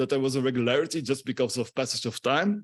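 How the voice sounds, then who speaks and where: A man's medium-pitched voice on a very clean recording with a silent background. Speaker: researcher presenting at a conference. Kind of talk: conference talk. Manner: hesitant, many filler sounds; fast, hurrying through slides.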